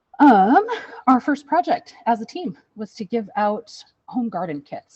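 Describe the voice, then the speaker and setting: A woman speaks in a somewhat breathy voice. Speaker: community program manager. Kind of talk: panel presentation. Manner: fast.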